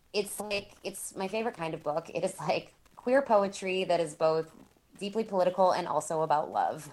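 With an American accent, a woman uses an ordinary speaking voice at a medium pitch, ordinary pitch variation and a moderate pace. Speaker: feminist podcast co-host, PhD student. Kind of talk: casual chat.

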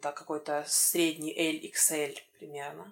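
A woman's very deep, low-pitched voice. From southern Russia. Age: 20s. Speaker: body-positivity blogger. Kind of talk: personal storytelling interview. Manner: hesitant, with filler sounds.

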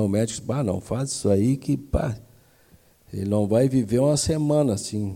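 In a southern Brazilian accent, a man speaks at a moderate pace. His pitch is medium, with ordinary variation. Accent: gaúcho Portuguese. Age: 50s. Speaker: church member. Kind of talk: testimony interview.

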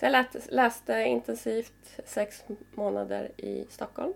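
A woman is talking. Her pace is very slow. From Sweden, Mariefred (Södermanland). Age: 40s. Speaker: coach. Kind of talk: casual chat. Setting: at her home.

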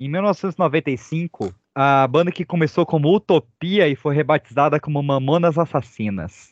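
A man speaks in an animated tone. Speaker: podcast host. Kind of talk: casual chat.

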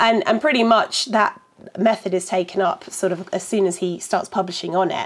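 A woman with a normal speaking voice talks at a medium pitch and a moderate pace, her intonation fairly even. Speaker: historian. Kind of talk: interview.

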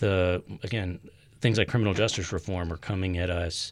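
The man's pitch is very deep and low, with fairly even intonation. He speaks at a moderate pace. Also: very clean recording, silent background. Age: 30s. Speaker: city councilor and advocacy group director. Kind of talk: interview.

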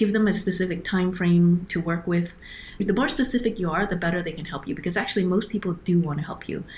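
This woman talks at a very fast pace with a somewhat breathy voice. Her pitch is medium, with ordinary variation. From Hong Kong, raised in US and Canada. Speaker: operations director. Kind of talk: interview.

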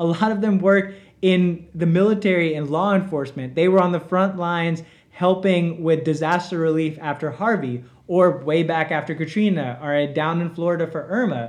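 A man with an American accent speaks at a high pitch. His pace is moderate, with ordinary pitch variation. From US South, Mississippi. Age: 20s. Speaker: podcast co-host. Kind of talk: casual political discussion.

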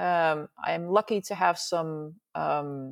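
In a very clean recording with a silent background, a woman with a Dutch accent talks at a fairly low pitch with fairly even intonation, the sound dry and close with no echo. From Netherlands. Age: 30s. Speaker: professional mountain biker. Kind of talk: casual interview.

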